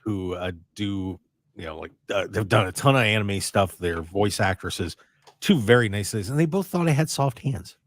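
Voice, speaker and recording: Raspy-voiced chatty man hosting radio. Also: fairly low pitch, normal speed, dry recording. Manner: chatty, excitable, rambling. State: raspy, strained voice. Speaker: radio show host. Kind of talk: casual radio chat. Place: radio studio.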